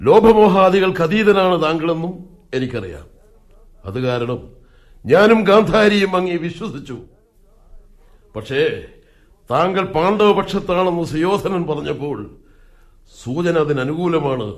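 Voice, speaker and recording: A man's voice: a little high, expressive, a little slow, long pauses. A man playing an aging, anxious king who questions his advisor with suspicion in a radio play. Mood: troubled. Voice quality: wary, probing, troubled. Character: blind old king Dhritarashtra, anxious and suspicious. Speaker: radio drama actor. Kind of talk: 1980s Malayalam radio drama acting.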